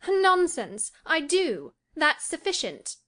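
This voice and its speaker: A woman's voice: high-pitched, animated, moderate pace, fairly bright tone, pitched above the performer's own voice. A woman voicing a peevish, anxious young lady in an audiobook, impulsive and emphatic in her pleading. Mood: defiant, insistent. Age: young adult. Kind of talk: audiobook character acting.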